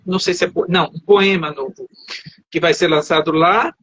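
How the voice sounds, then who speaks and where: A man's voice: on the high side, steady tone, a little fast, fairly bright tone, husky, no echo. A man from Salvador, Bahia, a writer guest in a live video interview, who rambles and corrects himself mid-sentence. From Salvador, Bahia, Brazil. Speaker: author guest. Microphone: video call. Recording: dull, dry video call audio.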